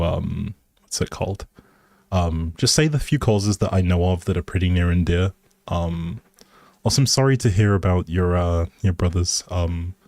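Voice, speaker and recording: Low-voiced man chatting on a livestream. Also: darkish tone, no echo. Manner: chatty, informal, addresses viewers directly. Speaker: livestream host. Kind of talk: casual livestream chat with viewers.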